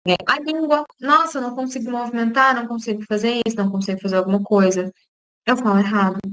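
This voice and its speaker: Woman, Brazilian Portuguese accent, speech therapist lecturing, relaxed and explanatory, slightly high voice, dry close sound. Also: quick pace, no room sound, low-quality recording. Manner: casual, explanatory, frequent "tá?" check-ins. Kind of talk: informal online lecture.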